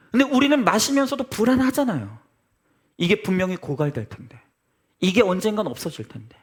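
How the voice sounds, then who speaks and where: A man's voice: high voice, fairly bright tone. A man pastor preaching a Sunday sermon in a church service, earnest and direct, often addressing the congregation with rhetorical questions.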